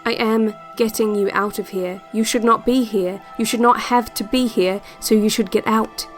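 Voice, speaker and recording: An actress playing a calm, yearning woman who narrates secret relaxation cassettes in a measured, intimate audio drama monologue. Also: a little high, soft background music, lightly acted. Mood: urgent, tender. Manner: measured, deliberate, repetitive phrasing.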